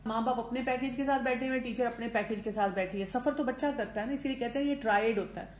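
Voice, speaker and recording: A woman gives a conversational lecture to teachers, mixing English words into her speech and acting out the lines of parents and teachers. The recording sounds echoey and dull, like a lo-fi capture in a reverberant room. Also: fairly high pitch. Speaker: teacher trainer.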